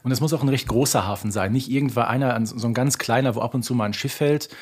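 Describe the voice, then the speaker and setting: A man from North Rhine-Westphalia talks as a podcast co-host. His voice is husky and sits at a middle pitch. He explains in a conversational, detail-minded way. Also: fast talker, darkish tone. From North Rhine-Westphalia, Germany (Ruhr area). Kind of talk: casual conversational podcast discussion.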